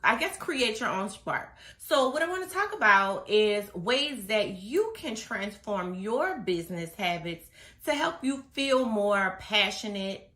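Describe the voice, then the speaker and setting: A woman business coach giving a casual motivational talk, her voice a little hoarse and raspy. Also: mid-range voice, pushed and bright, roomy sound. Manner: casual, chatty, reading from notes. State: slightly hoarse.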